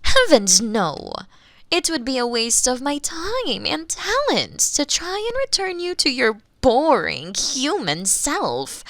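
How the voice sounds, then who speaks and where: A woman playing a smug, menacing female mad scientist in a theatrical ASMR roleplay, condescending and sometimes breathy, close on a binaural microphone. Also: fairly high pitch, a bit bright, no room sound, exaggerated voice. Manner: theatrical, condescending, sighing, slipping into breathy whispers. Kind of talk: roleplay ASMR monologue, spoken to the listener.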